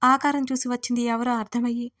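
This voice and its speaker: Female narrator, audio serial; fairly high, flat even reading. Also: fast. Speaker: storyteller. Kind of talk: scripted story narration.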